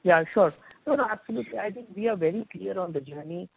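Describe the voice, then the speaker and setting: A man's voice: sits high, expressive, quick pace, gravelly, breathy edge. A man with an Indian accent, a company executive giving formal, explanatory and emphatic answers on a business conference call. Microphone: phone conference call. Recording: tinny phone line, echoey room.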